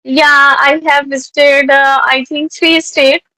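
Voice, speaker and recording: A woman's voice: high-pitched, little pitch movement, slow pace, sharp tone, dry recording, poor audio. A woman with an Indian accent from North India, chatting in conversation practice, hesitant with frequent fillers. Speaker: tutor practicing English conversation.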